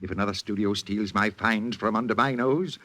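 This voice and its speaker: An actor playing a pompous, grandiose movie studio boss in a 1940s radio drama, talking in lofty words. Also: male voice, lowish voice, moderate pace, pushed and bright. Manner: grandiose, lofty vocabulary, theatrical. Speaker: studio head.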